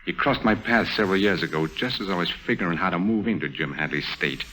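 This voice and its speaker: A man's voice: low-pitched, fast talker, pushed and bright, poor audio. A man playing a scheming racket boss in a 1950s radio drama, clipped, commanding and coolly persuasive. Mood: smooth scheming. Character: scheming middle-aged racket boss, calm and menacing.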